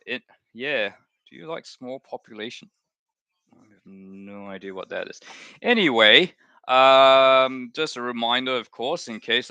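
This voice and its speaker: Bright, clear-voiced rambling male streamer. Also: fairly low pitch, no room sound. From Malaysia. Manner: chatty, rambling, self-correcting. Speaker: live-stream host. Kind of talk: casual watchalong chat.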